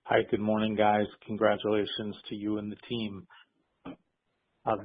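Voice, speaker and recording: A man's voice: fairly low pitch, completely flat delivery, a little slow. A man calling in as an analyst, asking questions informally in a friendly, polite way on an earnings call. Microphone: telephone. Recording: tinny telephone line.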